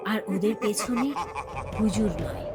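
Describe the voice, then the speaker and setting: A woman delivers dramatic horror narration. Her voice sits at a middle pitch. Loud music swells right behind her. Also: steady tone, a little slow.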